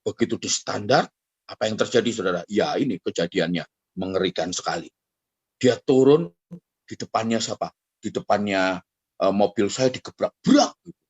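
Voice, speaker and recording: A middle-aged pastor preaches in a wide, swooping voice that leaps high and drops low as he tells a story. His tone has a husky, breathy edge. He talks straight to the congregation and acts out the voices of the people in his story. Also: no room sound, muffled recording. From Indonesia. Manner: animated storytelling, acts out quoted voices, addresses the congregation directly. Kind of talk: sermon.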